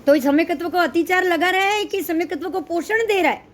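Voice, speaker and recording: A middle-aged woman teaching a scripture lesson, explaining slowly and often quizzing her listeners. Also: extremely high pitch, slight background noise. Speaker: religious teacher.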